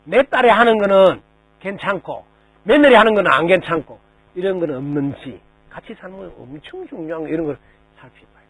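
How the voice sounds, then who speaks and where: A man's voice: high-pitched, expressive, brisk, fairly bright tone, low-quality recording. A man, a Buddhist monk, giving a dharma talk to lay listeners, telling stories with rhetorical questions and mimicking the people in them.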